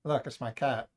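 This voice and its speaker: Casual male streamer, joking, rambling, chatting with viewers. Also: medium pitch. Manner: joking, rambling, talks to chat and cat. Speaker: livestream host. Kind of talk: casual livestream chat.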